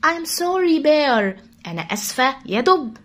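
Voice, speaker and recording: A woman voicing a small, polite female pelican from a children's story, with a light, high voice. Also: sing-song, a little slow, fairly bright tone, heavily acted. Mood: soft.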